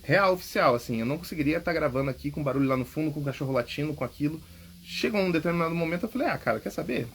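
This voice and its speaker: A man's voice: on the high side, animated, racing, a bit bright, a little hiss or hum. A man hosting a public speaking podcast, coaching casually and emphatically, often checking in with "ok?". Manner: emphatic, repeats key points, frequent "ok?" checks. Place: home recording.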